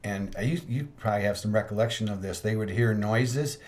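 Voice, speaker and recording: A man's voice: fairly low pitch, a little fast, darkish tone. A man hosting a ghost-hunting podcast, telling investigation stories in casual chat. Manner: storytelling, laughs at his own tales. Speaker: ghost hunter podcast host.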